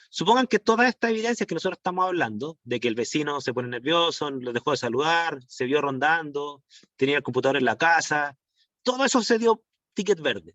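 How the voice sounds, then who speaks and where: A man's voice: on the high side, pushed and bright, no room sound. A man teaching an online class, rambling through restarts and fillers and checking in with his students. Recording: dull, dry lo-fi stream audio.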